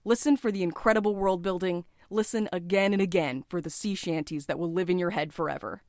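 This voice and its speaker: A woman's voice: lowish voice, a little fast, darkish tone, dry recording, clean studio sound. A woman reading a scripted promo as a podcast host.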